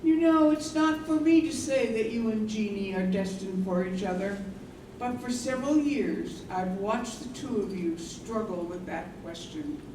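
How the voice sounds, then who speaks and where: A woman's voice: a little high, lightly acted. A woman in a staged play reading, playing a kindly, wise, folksy small-town mother. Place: live staged reading in a room. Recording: very echoey room, distant mic, noisy.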